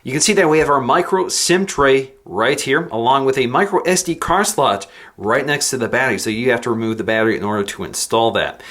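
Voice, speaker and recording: A man reviewing tech, calmly explaining each step of a phone unboxing as he goes. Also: mid-range voice, brisk. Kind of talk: product unboxing walkthrough.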